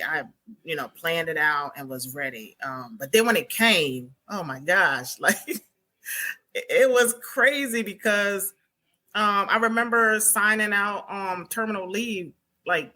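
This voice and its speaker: A woman in her forties talks through her years as a soldier in a low, bright, forward voice. She tells her story reflectively, pausing with fillers and restarting phrases as she goes. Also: expressive. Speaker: podcast guest, Army combat veteran and author. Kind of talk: conversational interview.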